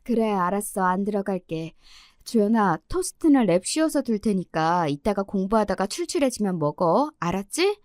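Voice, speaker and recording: A woman voicing a patient middle-aged mother who talks softly and coaxingly. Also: medium pitch, sing-song, normal speed, no echo, studio quality, natural voice. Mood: coaxing gentle. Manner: soft, coaxing, caring.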